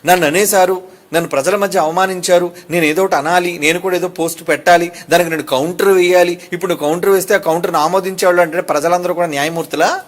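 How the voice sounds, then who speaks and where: A male pastor delivers a sermon in a notably high voice. He preaches emphatically, firing rhetorical questions at the congregation and breaking in with quick asides to keep them with him. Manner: emphatic and animated.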